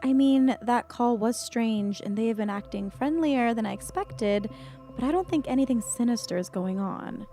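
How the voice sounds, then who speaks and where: Woman playing questioning young woman, slightly high voice, casual, hesitant, trusting, audio drama. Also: moderate pace, mellow, faint music behind, lightly acted. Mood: doubtful, teasing.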